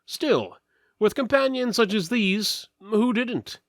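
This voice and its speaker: A man's voice: high-pitched, animated, takes it slowly, no room sound, studio quality. A man giving a dramatic, mock-epic reading of a fantasy tale as its narrator. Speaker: narrator, reader.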